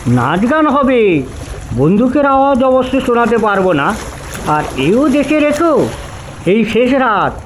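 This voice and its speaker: A man's voice: very high voice, a little hiss or hum, full character voice. A man playing a bold, challenging skeptic who scoffs at ghosts in a dramatized audio story. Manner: challenging, cocky.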